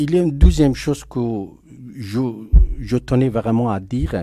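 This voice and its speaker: In a dark, mellow tone, the speaker moves at a fairly slow pace with lively intonation. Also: man. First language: not French (speaking French). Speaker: social worker at citizens' meeting. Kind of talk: public testimony. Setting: community meeting room. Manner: halting.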